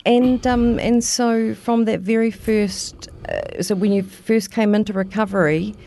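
A woman hosting a radio interview, asking gentle, encouraging questions and offering soft affirmations. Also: mid-range voice, steady tone, a little slow. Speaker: radio show host, interviewer.

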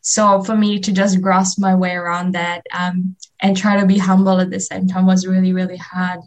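A woman's voice: on the low side, level tone, moderate pace. A young woman from Fiji with a Fiji Indian accent, a native Fiji Hindi speaker, talking informally and a little hesitantly as a radio interview guest. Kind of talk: personal talk in a radio interview.

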